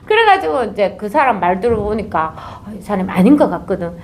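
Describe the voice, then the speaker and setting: A woman's voice: mid-range voice, a little fast, a little hiss or hum. A woman giving a dharma talk as a Zen teacher, telling a story and acting out its characters. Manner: animated, acts out characters.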